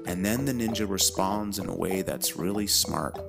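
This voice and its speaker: A man with a very low, creaky voice leads a calm grounding exercise for children. He speaks to them directly and gently, in an instructive way, with music playing underneath. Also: moderate pace. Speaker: narrator guiding a children's mindfulness exercise.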